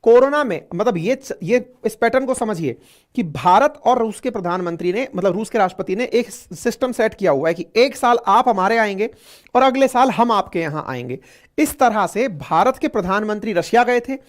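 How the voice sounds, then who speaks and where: A man's voice: high voice, animated, normal speed. A man teaching current affairs in a conversational lecture, repeating his points and speaking straight to the listeners. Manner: chatty, repeats points, addresses listeners directly.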